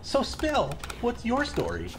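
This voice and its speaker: A breezy, self-righteous serial killer played by an actor in an audio drama. The voice is casual and chatty, swinging widely in pitch, over faint background noise. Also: wildly swooping pitch, takes it slowly. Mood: casual, probing. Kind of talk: full-cast audio drama acting.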